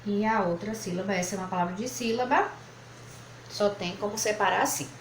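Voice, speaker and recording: A woman's voice: mid-range voice, a little fast. A woman teaching a lesson at a board, patiently spelling out words syllable by syllable. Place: room with whiteboard. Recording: echoey room, faint background noise.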